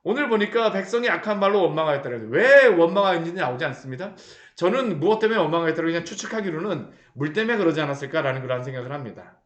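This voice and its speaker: A man preaches a sermon with a slightly raised pitch, throwing rhetorical questions at his listeners. He brings the sermon to life by acting out the people he talks about. His voice rings through a reverberant church room. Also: racing, few pauses, highs cut off. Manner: animated, acts out the people he describes. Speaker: pastor. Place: church sanctuary.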